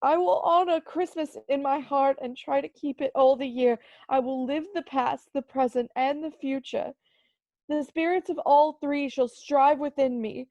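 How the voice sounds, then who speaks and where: A woman's voice: high voice, fairly even intonation, a little slow, darkish tone, no echo, dull audio. A woman playing an old male miser, giddily reformed and penitent, in an amateur dramatic reading full of exclamations. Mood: pleading, fervent. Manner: exclamatory, effusive.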